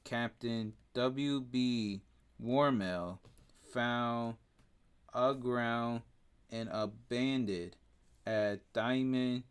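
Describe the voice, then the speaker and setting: A podcast co-host whose first language is Spanish speaks with an accent in a clear, resonant, mid-range voice. On this casual show he reads facts in a halting way, stumbling on names and leaning on many fillers.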